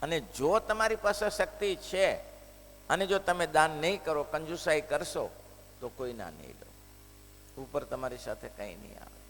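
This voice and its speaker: A man's voice: on the high side, a little slow. A man preaching a sermon at a religious school, telling stories and asking the listeners rhetorical questions. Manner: lively storytelling with rhetorical questions. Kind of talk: sermon with storytelling. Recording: long hall reverb, faint noise.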